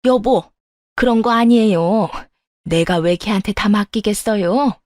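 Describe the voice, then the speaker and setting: A woman voicing a selfish middle-aged mother-in-law who shouts and then pleads, in a dry close recording. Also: medium pitch, measured pace, dry recording, natural voice. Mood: pleading. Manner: yelling, then pleading and whiny.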